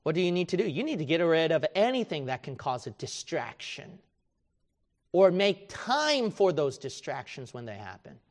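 A male preacher delivers a sermon in a high-pitched voice. He pushes his listeners with rhetorical questions and plays out their excuses in quoted voices. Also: big pitch swings, moderate pace.

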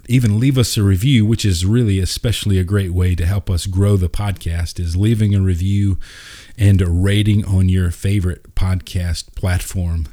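A man narrating as a podcast host and storyteller, with an earnest, unhurried delivery. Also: on the low side, warm tone. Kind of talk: scripted story narration and informal podcast sign-off.

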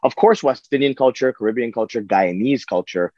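A man's voice: mid-range voice, a little fast, warm tone, dry recording. A man from Toronto, chatting casually as an interview guest in slangy talk, on a slightly muffled recording. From Toronto, Canada. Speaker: podcast guest, chef.

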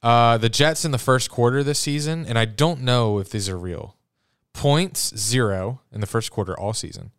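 A man's voice: medium pitch, moderate pace, clear, resonant tone, no room sound, studio quality. A man co-hosting a casual sports podcast, rambling and incredulous, often trailing off mid-thought. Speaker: podcast co-host.

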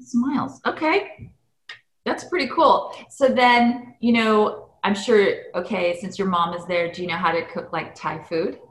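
A woman hosting an interview, asking curious questions in a casual, animated way and laughing easily. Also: mid-range voice, unhurried. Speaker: interviewer, host. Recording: echoey room.

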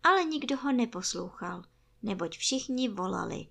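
A woman reads a children's book aloud in a calm, gentle storytelling voice. Her middling pitch has a gravelly, creaky texture.

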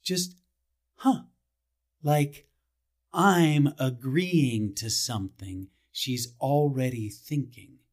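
A man acting a defensive, brooding small-town husband in an audio drama monologue, speaking haltingly and asking rhetorical questions with emphatic swings. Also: mid-range voice. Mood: troubled, brooding.

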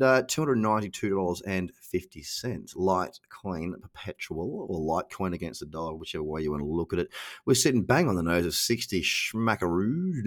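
A middle-aged Australian man hosting a casual solo podcast, sounding nasal from a cold and talking in a chatty, slangy, self-mocking way. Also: low-pitched. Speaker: podcast host.

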